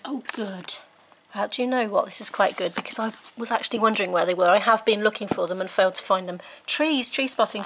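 A woman's voice: medium pitch, fairly bright tone, a little hiss or hum, rough recording. A woman in her thirties from the UK, chatting through a home vlog on a handheld camera while she sorts boxes, enthusiastic and thinking aloud. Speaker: vlogger. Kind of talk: casual vlog chat. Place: living room at home, indoors. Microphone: handheld camera mic, filming herself close up.

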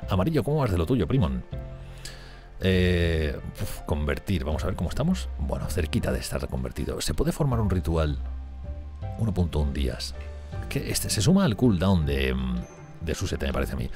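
Gaming host, Spanish man from Spain, rumbling low and quick, chatty and lively as he thinks aloud. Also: faint music behind. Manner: chatty, thinks aloud and talks to his game characters. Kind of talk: let's-play commentary.

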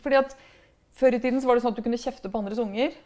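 A woman's voice: fairly high pitch, fairly even intonation, a little mellow. Frank, chatty middle-aged woman guest. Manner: chatty, frank, tags remarks with questions. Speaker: author guest. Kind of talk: casual conversational interview.

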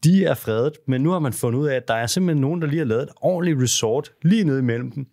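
A man's voice: medium pitch, darkish tone, no echo. A man co-hosting a podcast in casual chat, rambling with fillers and restarts on a studio microphone. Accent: Danish. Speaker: podcast co-host.

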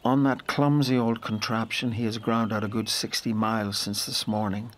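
Guy acting a storyteller for an audio drama, lowish voice, brooding and lyrical, really measured. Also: flat delivery, lightly acted. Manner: measured, lyrical, deliberate phrasing. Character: brooding male storyteller of a boy's lonely journey. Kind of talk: literary audio drama narration.

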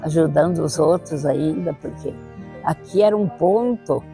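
Old southern brazilian lady, italian native speaker, bright creaky voice, telling memories. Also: sits low, a little slow, faint music behind. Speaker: interviewee. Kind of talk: reminiscing in an unscripted interview. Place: outdoor terrace. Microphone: clip-on lapel mic.

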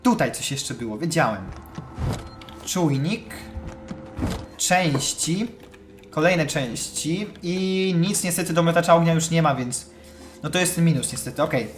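A man giving chatty live commentary on a horror game, excitable and shouting when scared. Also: fairly high pitch, unhurried, long pauses, soft background music. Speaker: let's play gamer.

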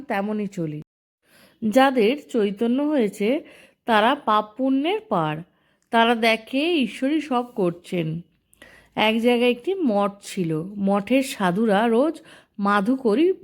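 Slow, measured woman reading devotional teachings. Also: mid-range voice, a little mellow. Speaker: spiritual storyteller.

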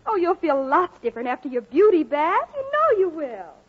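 An actress playing a sweet-talking young roommate in a 1940s radio commercial. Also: female voice, very high-pitched, sing-song, normal speed. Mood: coaxing. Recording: thin, tinny 1940s radio recording.

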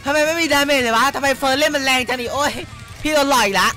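A young man giving excitable, loud gameplay commentary, cursing and yelling at opponents, his throat sore from shouting. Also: very high-pitched, rapid-fire. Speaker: gaming YouTuber. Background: game music.

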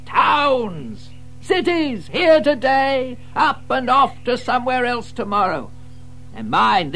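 An actor playing a boastful, excitable rich gentleman toad in a children's audio drama, gushing and pompous. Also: very high-pitched, full character voice.

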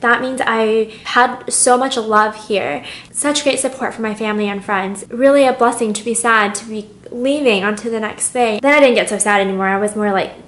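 A woman's voice: fairly high pitch, moderate pace, few pauses, fairly bright tone, echoey room. A young woman chatting candidly while doing her makeup at home, rambling and open about her feelings. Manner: rambling and candid, getting emotional at times. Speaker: beauty vlogger. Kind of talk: chatty get-ready-with-me vlog.

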